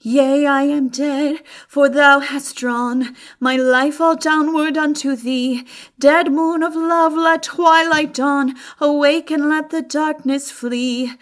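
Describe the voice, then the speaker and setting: A woman performing a lovelorn young man in an audiobook, singing slow, drawn-out verse with melodic yearning. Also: high voice, steady tone, pitched above the performer's own voice. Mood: passionate longing.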